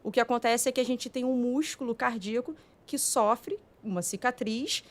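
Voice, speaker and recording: A woman cardiologist with a Brazilian Portuguese accent, calmly and methodically explaining heart disease in a podcast studio. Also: a little high, normal speed. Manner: calm, methodical explaining with frequent "né". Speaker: cardiologist guest. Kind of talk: explanatory medical talk.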